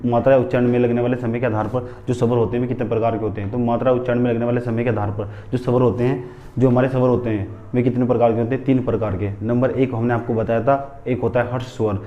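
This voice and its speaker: A male Hindi teacher lectures a class at a middle pitch, drilling terms by repeating them and posing questions he answers himself. He keeps telling students to write headings in their notebooks. The sound is a little dull and lo-fi.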